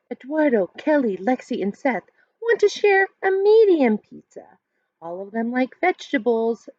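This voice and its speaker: A woman in her thirties reading a children's book aloud like a teacher, expressive and instructive, pausing to explain. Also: on the high side, dry recording. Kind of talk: read-aloud storytelling with explanations. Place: small furnished room indoors at home. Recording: dull lo-fi webcam sound.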